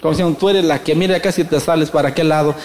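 A middle-aged man preaching a sermon, telling jokes and stories in a folksy, animated way. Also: a little high, quick pace, echoey room. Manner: folksy, animated storytelling with joking asides. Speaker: pastor.

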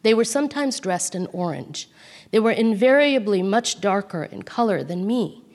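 A woman's voice: medium pitch, lively intonation, moderate pace, darkish tone. Woman reading memoir in echoey hall. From Calcutta, India. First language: Bengali. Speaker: author reading from her memoir. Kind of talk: reading aloud from her own book. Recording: long hall reverb.

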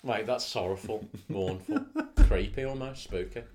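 A man's voice: on the low side, moderate pace, a little mellow, a little hiss or hum. A man co-hosting a comedy podcast, making dry, sardonic remarks. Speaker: podcast co-host.

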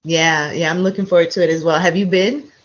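A woman guest on a podcast, chatty and relaxed, with many fillers and restarts. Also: lowish voice, fairly quick. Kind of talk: casual interview chat. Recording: slightly dull audio.

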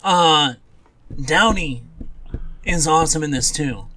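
A man co-hosting a podcast in casual movie chat, often pausing and correcting himself as he goes. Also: fairly high pitch, animated, sharp tone, slight background noise. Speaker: podcast co-host.

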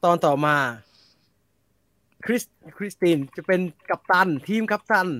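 Animated swearing man, casual chat. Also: sits high, a little slow, dry recording, studio quality. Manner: blunt, swears, animated, laughs often.

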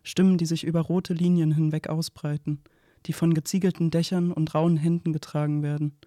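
An actor playing a reflective narrator in a radio play, reading poetic prose in a measured, restrained way. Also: male voice, on the high side, little pitch movement, mellow, dry recording, studio quality, lightly acted.

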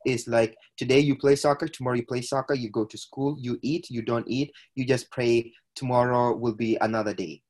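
A man's voice: medium pitch, fairly even intonation, brisk, few pauses, a little mellow. A man, a podcast guest recounting his life in a hesitant way, with frequent filler sounds and restarts. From Ethiopia. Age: 20s. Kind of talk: personal storytelling in conversation.

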